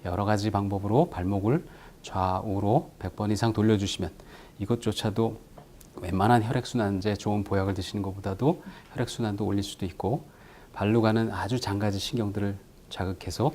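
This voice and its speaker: Calm low-voiced male doctor. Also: a little hiss or hum. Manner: calm, measured, instructive. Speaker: orthopedic doctor guest. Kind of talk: explanatory medical talk. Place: studio.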